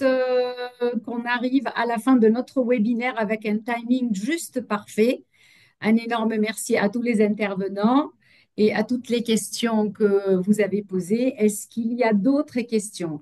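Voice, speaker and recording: A woman's voice: fairly high pitch, darkish tone. A woman moderating an online webinar, reading out audience questions with frequent hesitations. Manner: hesitant, many fillers.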